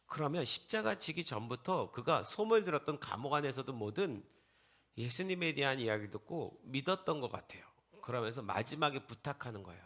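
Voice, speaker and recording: A man preaching a sermon in a lively, conversational way. He keeps asking the congregation questions and answering them himself. His pitch swings widely, and his voice is bright and forceful. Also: a little fast. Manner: conversational, mixes casual and polite speech. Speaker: pastor.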